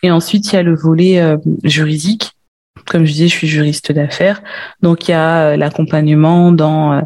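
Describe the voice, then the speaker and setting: Her voice is fairly low with a dark, mellow tone, and the woman keeps a moderate pace and fairly even intonation. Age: 30s. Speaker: business lawyer and coaching client. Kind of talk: interview. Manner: halting.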